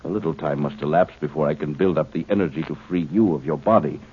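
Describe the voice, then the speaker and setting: A deep-voiced, smug alien villain. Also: male voice, quick pace, breathy edge. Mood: detached, amused. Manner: formal, smug, pedantic, coolly mocking. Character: cold superior alien of pure energy, condescending villain. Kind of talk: 1950s radio drama acting. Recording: muffled, noisy 1950s radio recording.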